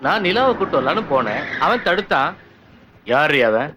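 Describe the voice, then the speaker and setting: A pushy scheming uncle. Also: male voice, on the high side, big pitch swings, moderate pace, over music. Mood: coaxing. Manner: insistent, coaxing.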